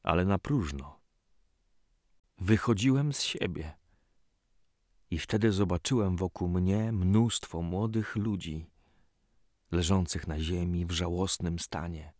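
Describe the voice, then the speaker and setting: A man reading a scripted story as an audiobook narrator, in a measured, dramatic storytelling manner. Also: sits low, darkish tone, no room sound, studio quality.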